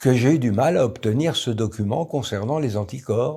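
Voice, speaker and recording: The voice has a dark, mellow tone, somewhat breathy, with lively intonation. It moves at a very slow pace on a very clean recording with a silent background. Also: man. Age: 70s. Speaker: priest. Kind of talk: personal video address. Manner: measured, formal.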